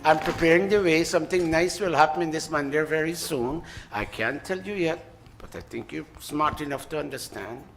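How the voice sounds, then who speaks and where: A man's voice: on the high side, moderate pace, creaky, fairly bright tone, soft background music. A man leading a temple ceremony, giving the congregation live directions with joking, apologetic asides.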